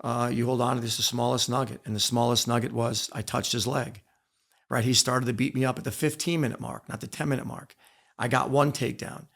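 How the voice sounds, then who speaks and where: A man with a creaky, gravelly voice tells candid stories as an interview guest. He is emphatic and often repeats a phrase to drive it home. His pitch sits in an ordinary middle range. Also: flat delivery, fairly quick, fairly bright tone. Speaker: interview guest, former wrestler and coach. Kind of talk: candid storytelling in a podcast interview.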